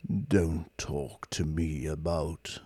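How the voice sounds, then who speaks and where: A man voicing a gloomy, depressed male robot who drones slowly and hopelessly. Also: a bass voice, steady tone, warm tone, slightly rough, no room sound, pitched below the performer's own voice, heavily acted. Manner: droning, slow, mournful.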